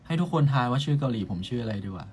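A young man hosts a casual live stream, reading viewer comments one after another and answering them with easy, teasing banter. His voice sits at an ordinary middle pitch, and a faint hum of ambience runs underneath. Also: expressive, racing, darkish tone.

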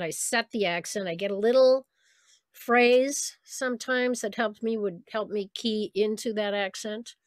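A woman's voice: medium pitch, no room sound. A woman from Saint Louis, a voice actress, giving reflective, easygoing answers in an interview, laughing now and then. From Saint Louis, USA. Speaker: voice actress guest.

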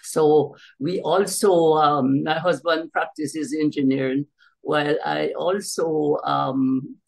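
Older woman, deep creaky voice. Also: fairly even intonation, slow, a little mellow, poor audio. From Jamaica. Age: older, around 70s. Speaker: interview guest, author. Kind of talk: interview recollection of family history. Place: small bright room at home, indoors. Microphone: computer mic on a video call.

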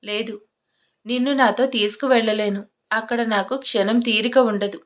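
A woman's voice: fairly high pitch, steady tone, normal speed, lightly acted. A woman reading an evasive young husband. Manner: evasive, apologetic. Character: busy young husband making excuses.

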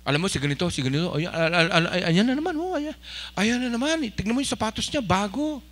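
A man with a Filipino accent putting on a nosy, gossiping neighbor in a hushed, catty mutter. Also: high voice, big pitch swings, quick pace, exaggerated voice.

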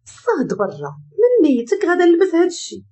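A woman's voice: very high-pitched, huge pitch swings, fast talker, warm tone, pitched above the performer's own voice, full character voice. A woman with a Moroccan accent voicing a defiant young wife who answers back sharply. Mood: indignant.

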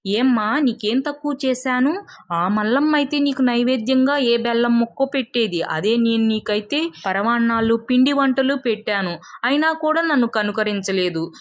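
A woman's voice: a little high, moderate pace, natural voice. A woman voicing an envious, discontented village wife who wheedles and complains in a storybook tale. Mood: aggrieved pleading.

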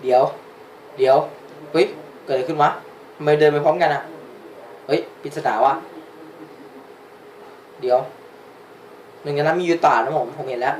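A man's voice: on the high side, steady tone, normal speed, pauses often, darkish tone. A man doing a casual reaction commentary, blurting out surprise and slang as he watches. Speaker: anime reaction host. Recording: roomy with faint background noise.

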